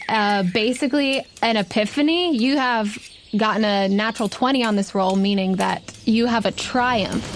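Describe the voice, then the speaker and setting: A woman narrating a tabletop roleplaying game as game master, describing scenes in a conversational, improvised way. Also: a little high.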